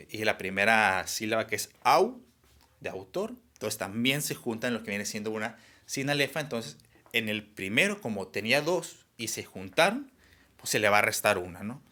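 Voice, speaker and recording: Bright-voiced man teaching a class. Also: on the low side. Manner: explanatory, many fillers and restarts. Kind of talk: online class lecture.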